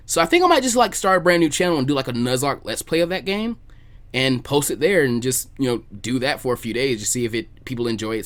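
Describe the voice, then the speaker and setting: A man's voice: medium pitch, a bit bright. A man hosting a casual podcast chat, talkative and informal, repeating words as he thinks aloud. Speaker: podcast host, video creator.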